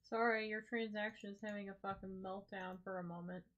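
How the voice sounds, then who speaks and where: A woman's voice: medium pitch, fairly even intonation, fairly quick, fairly bright tone, lo-fi sound. A tired, yawning woman chatting casually as co-host and swearing freely. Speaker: stream co-host. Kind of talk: casual chat.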